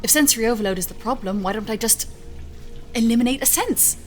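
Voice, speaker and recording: An actress playing a stubborn, confident scientist in an audio drama, speaking in an assured, articulate, insistent way. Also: female voice, a little high, fast, a little mellow, soft background music, lightly acted. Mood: excited, persuasive. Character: driven, stubborn female scientist, defiant and confident. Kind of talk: audio fiction acting.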